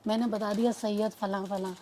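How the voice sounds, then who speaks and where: Here the mother of two sounds mid-range and a little mellow, delivering her words flatly against a light hiss or hum. She tells her personal story earnestly, drifting and restarting often and repeating what people said.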